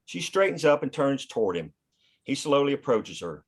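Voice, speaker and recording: A man's voice: mid-range voice, very animated, normal speed. Man reading screenplay stage directions. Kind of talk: scripted narration at a screenplay table read.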